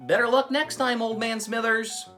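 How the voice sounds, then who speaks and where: A man's voice: very high voice, steady tone, moderate pace, pushed and bright, soft background music. A man voicing a friendly, hesitant puppet host with an encouraging gee-whiz manner in a comedy show. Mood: patient, upbeat.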